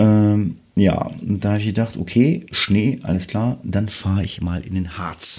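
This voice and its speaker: Here a man speaks at a fairly low pitch with a dark, mellow tone. His pace is fairly slow and his pitch variation ordinary. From Lower Saxony, Germany. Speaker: podcast co-host. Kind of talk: casual chat.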